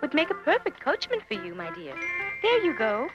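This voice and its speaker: A kindly fairy godmother from a children's storybook recording, speaking high with swooping, lively intonation. She fusses sweetly and reassures like a motherly magical guardian. Music plays behind her on a slightly dull track. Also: moderate pace, vocal fry, heavily acted. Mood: cheerfully magical. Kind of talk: children's storybook audio drama. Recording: dull lo-fi audio under music.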